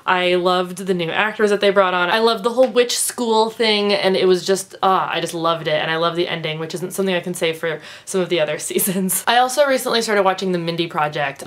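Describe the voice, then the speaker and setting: A woman's voice: lowish voice, fairly bright tone. A woman in her twenties with a stuffed-up nose, chatting casually and rambling through her monthly favorites. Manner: chatty, rambling, with fillers and laughs. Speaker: vlogger.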